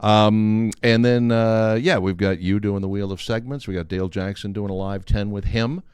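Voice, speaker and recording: A man's voice: on the low side, fairly even intonation, normal speed, darkish tone, clean tone, no room sound, clean studio sound. An American man in his fifties chatting casually as a radio host, telling stories in a wry way. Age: 50s. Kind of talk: casual chat and storytelling.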